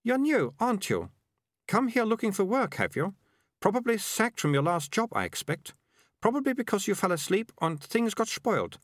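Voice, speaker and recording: A man's voice: sits high, very animated, normal speed, dry recording, studio quality, voice pushed up. A man voicing a presumptuous young girl in a storybook, nosy and accusing, a real know-it-all.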